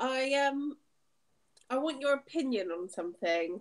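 A woman's high voice with very wide pitch swings, at a fairly slow pace over a quiet background. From Bristol, England; England. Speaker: live stream co-chatter; live streamer. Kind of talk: casual chat. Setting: video call. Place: home room.

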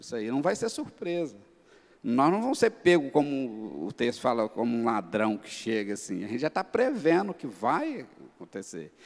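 The speaker keeps a moderate pace. The pitch swings very widely. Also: man. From rural Brazil. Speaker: church elder. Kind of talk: class discussion comment; audience comment in Bible class discussion. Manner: halting. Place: church. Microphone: handheld.

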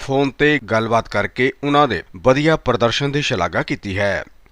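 A man's bright, sharp tone with ordinary pitch variation, dry and close with no echo, on a very clean recording with a silent background. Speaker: news anchor. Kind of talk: news bulletin read aloud in formal Punjabi, steady scripted delivery. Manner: formal, even-paced newsreader tone, clear and unemotional.

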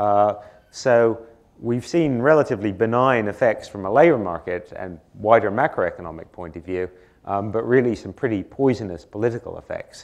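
Over a quiet background, a man with a British accent speaks at a moderate pace with ordinary pitch variation and big swings in loudness. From England. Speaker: economist, research institute director; speaker. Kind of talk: lecture followed by audience Q&A. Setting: stage with audience. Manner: halting, many fillers and repetitions.

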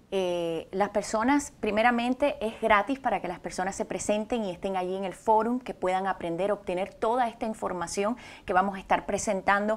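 A woman speaks at a moderate pace with ordinary pitch variation and hardly any pauses. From Cuba. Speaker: immigration lawyer. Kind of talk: TV interview. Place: studio. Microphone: lapel.

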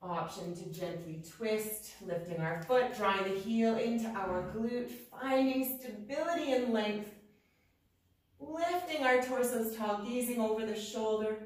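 A woman talks at a fairly slow pace over strong room echo. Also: lively intonation. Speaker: yoga instructor. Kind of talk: guided yoga class with calm cueing. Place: gym.

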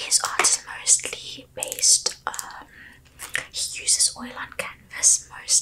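A woman speaks over loud background noise. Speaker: presenter. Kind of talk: casual presentation. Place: home room.

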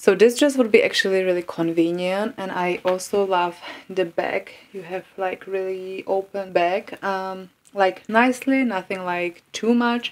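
This woman speaks at a fairly slow pace with a Czech accent. Her intonation stays fairly even while her loudness swings widely. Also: medium pitch for a woman. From Czech Republic. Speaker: fashion vlogger. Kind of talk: try-on haul vlog.

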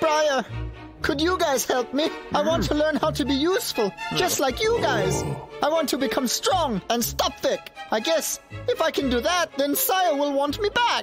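Clear music plays in the background as a cartoonish character voice speaks at a moderate pace. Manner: timid, tearful, then defiant.

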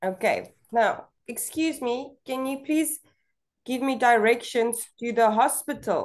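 Pitch varies in an ordinary way while the talking proceeds very slowly. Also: woman, high pitch for a woman. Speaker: English tutor. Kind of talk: online English lesson; online English lesson, conversational teaching. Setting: video call. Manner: slow, patient. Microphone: video call.

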